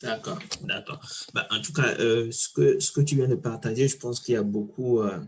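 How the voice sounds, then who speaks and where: A man hosts an interview in an easygoing, conversational way. His voice sits at a middle pitch, and he hesitates often and repeats himself as he shapes his thoughts. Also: moderate pace, slight background noise. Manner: relaxed, with many fillers and repeated words. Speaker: podcast host. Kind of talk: casual interview chat.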